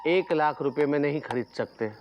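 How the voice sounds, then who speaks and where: A man's voice: fairly high pitch, moderate pace, dull audio, very noisy, close to an everyday voice. A man playing a sly haggling village schemer. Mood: scheming. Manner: sly, haggling, wordplay-heavy. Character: scheming village wheeler-dealer bargaining over money. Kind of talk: TV comedy acting. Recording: music bed behind dialogue.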